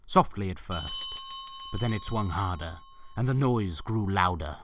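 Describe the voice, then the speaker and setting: A man's voice: deep voice, animated, a little slow, a bit bright, slight background noise. A man narrating a scripted story as the narrator of a fan audio drama.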